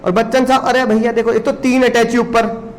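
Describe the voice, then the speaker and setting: High-voiced, animated man lecturing. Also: normal speed. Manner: animated storytelling, teasing the students. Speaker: teacher. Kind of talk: classroom lecture. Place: classroom with students.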